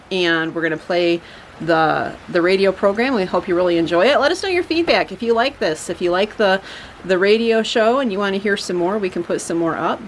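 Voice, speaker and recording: A woman's voice: medium pitch, slight background noise. A woman hosting a family homestead channel, talking casually and chattily with many fillers and restarts. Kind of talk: casual talk to camera.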